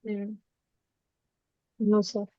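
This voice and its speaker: A woman with a South Asian accent giving halting, deferential answers as a trainee in an oral exam on a webinar call. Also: medium pitch, completely flat delivery, warm tone. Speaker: medical trainee being examined. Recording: dull, muffled dry online audio.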